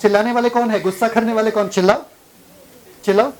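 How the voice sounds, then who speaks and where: Pastor leading a sermon, keeps quizzing the congregation. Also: male voice, sits high, steady tone, quick pace, rough recording. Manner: questions the congregation and drives for answers.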